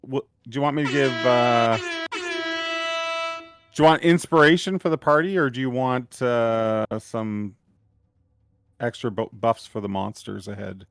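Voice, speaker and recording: A man acting as game master on a streamed tabletop game, explaining with many pauses and fillers. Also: mid-range voice, a bit bright, clean tone. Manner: hesitant, filler-heavy explaining.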